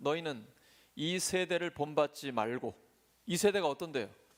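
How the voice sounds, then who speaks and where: In a very clean recording with a silent background, the speaker has a slight Ulsan accent, a moderate pace and ordinary pitch variation. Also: man. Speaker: pastor. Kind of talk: sermon. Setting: church.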